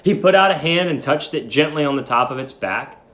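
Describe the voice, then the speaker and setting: A male teacher reads and talks through a story in an informal lesson style. His voice is a bit higher than average, with very varied, animated pitch. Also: a little fast.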